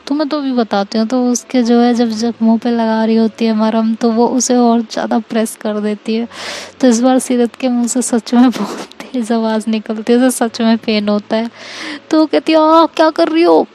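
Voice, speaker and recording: A woman's voice: fairly high pitch, fairly even intonation, moderate pace, dark tone. A young woman narrating a romance story in a chatty, conversational way. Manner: chatty, conversational, with filler phrases. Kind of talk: casual spoken love-story narration.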